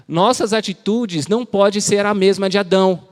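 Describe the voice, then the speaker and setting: With a high voice and a moderate pace, a lay preacher from Brazil tells stories in a chatty, slang-filled informal sermon. The church hall lends the recording a long reverb.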